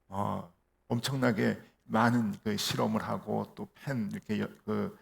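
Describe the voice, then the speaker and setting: 중년 남자 목사가 교회에서 "어" 같은 추임새와 반문을 섞어 가며 이야기를 들려주듯 설교한다. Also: male voice, on the low side, creaky. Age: middle-aged. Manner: storytelling with fillers and rhetorical questions. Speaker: pastor. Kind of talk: sermon. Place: church.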